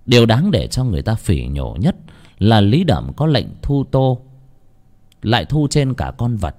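A male storyteller narrating a dark folk tale in a grave, emphatic manner. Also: mid-range voice, huge pitch swings, measured pace.

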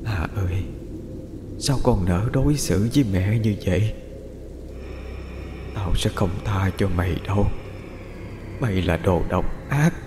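A man voicing the vengeful ghost of an old grandmother who speaks in a low, cold, hushed voice in a horror audiobook. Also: takes it slowly, pauses often, long reverb tail, noisy background. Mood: cold menacing.

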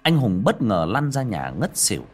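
A man's voice: lowish voice, huge pitch swings, normal speed, faint music behind. A man narrating a ghost story with dramatic, swooping delivery.

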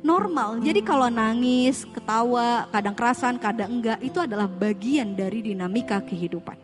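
A woman with a high, bright-pitched voice gives an animated Islamic parenting talk to a room of parents. She throws rhetorical questions at the audience and slips into quoted voices to make her point. Music plays clearly behind her. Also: moderate pace. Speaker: parenting seminar speaker.

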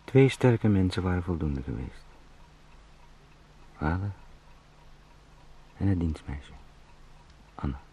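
An actor playing an anxious travelling salesman turned helpless beetle in a halting, introspective radio drama monologue that drifts into whispers. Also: sits low, sing-song, warm tone, slight background noise, exaggerated voice. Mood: reflective.

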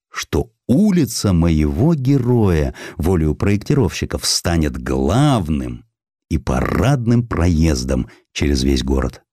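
A man narrating a literary audiobook in a measured, expressive, dramatic storytelling manner. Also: sits low, no echo, studio quality.

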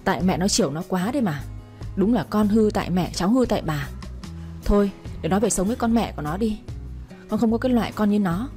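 A woman's voice: medium pitch, lively intonation, fast talker, faint music behind, close to an everyday voice. Woman reading as a harsh scolding father. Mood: angry. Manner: scolding, shouting orders. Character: harsh angry father, middle-aged man.

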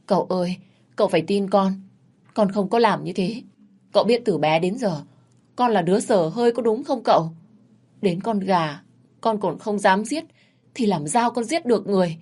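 A woman's voice: normal speed, darkish tone, slightly rough, close to an everyday voice. A woman voicing a desperate young female servant who pleads and whines with her master in a told story. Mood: pleading. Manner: whiny, pleading, rising high.

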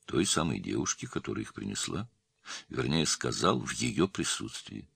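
A man voicing an old male jeweler in his seventies, who speaks slowly and quietly with calm dignity. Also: rumbling low, vocal fry, slightly rough, voice pushed down, full character voice. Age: 70s.

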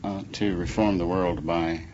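Male interviewee, low pitch, hesitant, reflective, muffled, clear background noise. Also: steady tone. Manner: hesitant, pausing often. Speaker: interviewee, former journalist.

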